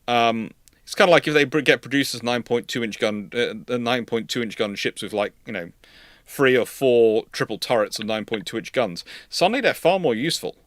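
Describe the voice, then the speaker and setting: A man's voice: medium pitch, lively intonation, fairly quick, fairly bright tone, no echo, clean studio sound. A British man hosting a casual history question-and-answer stream, rambling and often stammering and repeating words as he explains. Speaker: livestream host.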